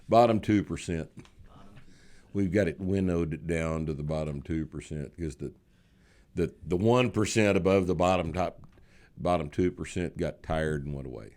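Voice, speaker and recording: A man's voice: sits low, unhurried, long pauses, darkish tone. A man in his sixties hosting a podcast, chatting in a blunt, sarcastic, joking way. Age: 60s. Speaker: podcast host. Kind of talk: casual chat.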